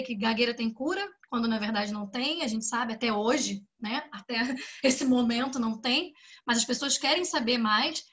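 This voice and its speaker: A woman speech therapist with a Brazilian Portuguese accent gives a lively, chatty lecture and often asks rhetorical questions. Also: high voice. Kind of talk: symposium lecture.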